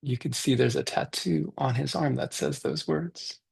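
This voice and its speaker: A man, a children's author, reading his picture book aloud in a lively, expressive way over a video call. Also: mid-range voice, moderate pace, creaky, breathy edge.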